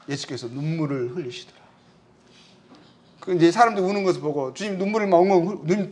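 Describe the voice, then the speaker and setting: High-voiced Korean man preaching a sermon. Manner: retells scripture in lively storytelling, quoting figures in speech; frequent fillers and restarts, emphatic repetition. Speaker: pastor. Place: church.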